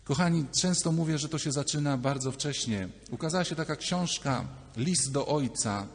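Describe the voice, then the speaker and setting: A man, a Catholic priest, preaching a sermon in a lively way, acting out little dialogues and speaking straight to his listeners. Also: fairly high pitch, normal speed. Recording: reverberant church hall.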